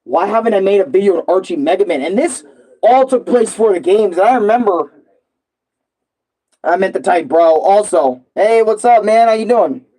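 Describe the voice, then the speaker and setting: A man rambling casually and excitably on a live stream, full of slang and repeating himself. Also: sits high, normal speed, rough recording. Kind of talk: casual, rambling live stream chat about comics and games.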